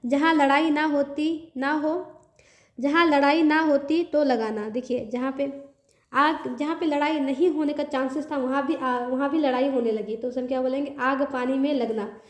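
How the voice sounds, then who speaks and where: A woman's voice: high-pitched, fairly even intonation, normal speed. A woman teaching an online grammar lesson, reading word lists aloud and explaining them in a chatty way with English words mixed in.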